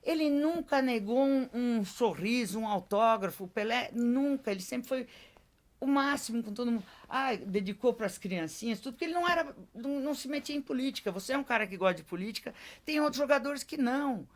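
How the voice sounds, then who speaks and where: A woman's voice: on the high side, animated, a little fast. A woman, a podcast guest talking bluntly and emphatically in casual chat. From Brazil. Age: 60s.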